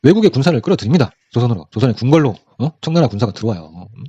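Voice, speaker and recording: A man's voice: mid-range voice, big pitch swings, racing, dark tone, slightly rough, no room sound, highs cut off. A man giving a casual history lesson for an exam. He talks in a chatty way and acts out the quotes in different voices. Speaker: history lecturer.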